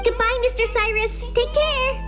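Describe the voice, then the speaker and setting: Game character: kindly young girl ranger, very high voice, earnest and bashful, music underneath. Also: normal speed. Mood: friendly. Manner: polite, earnest, slightly bashful. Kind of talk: video game voice acting.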